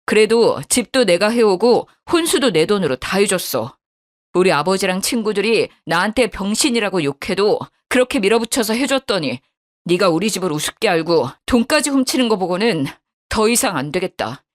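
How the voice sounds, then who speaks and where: A woman's voice: medium pitch, animated, moderate pace, natural voice. A woman voicing an angry young husband who harshly accuses his wife, in a storytelling radio drama. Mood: bitter.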